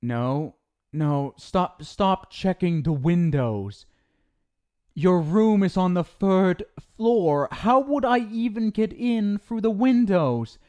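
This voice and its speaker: A man's voice: sits high, animated, slow, a little mellow, dull audio. A man voicing an exasperated male ghost soulmate from the afterlife who swears while scolding and stumbles over restarts when he explains himself, in an ASMR roleplay. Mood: sheepish fumbling.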